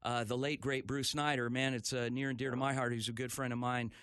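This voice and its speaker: Bright-voiced chatty radio host. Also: male voice, medium pitch, level tone, brisk, clean tone, dry recording, studio quality. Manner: chatty, enthusiastic, rambling. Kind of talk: radio talk show.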